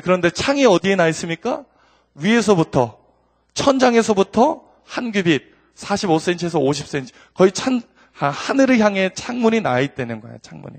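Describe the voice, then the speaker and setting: A middle-aged man preaching from the pulpit with a gravelly, rough-edged voice that sits fairly high. His delivery swells into emphatic peaks and asks the congregation to repeat after him. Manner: preaching with rising emphasis and call-and-response. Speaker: pastor. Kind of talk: sermon.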